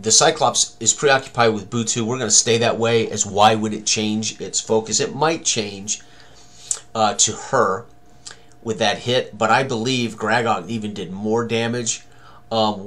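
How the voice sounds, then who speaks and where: A man's voice: lowish voice, steady tone, a little slow, a bit bright. A man in his sixties giving a casual tabletop game tutorial, thinking aloud as he works through it. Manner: talks to himself, exclaims mildly.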